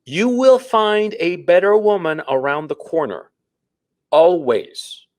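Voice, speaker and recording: A man in his forties, a podcast host, telling a story and giving dating advice in a blunt, crude, animated way. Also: high voice, measured pace. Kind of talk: casual dating-advice talk.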